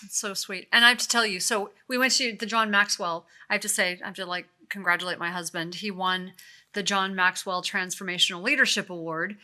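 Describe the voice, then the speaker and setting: Bright-voiced woman co-hosting a podcast. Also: mid-range voice, a little fast. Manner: animated storytelling, emotional. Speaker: podcast co-host. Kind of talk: casual conversational podcast.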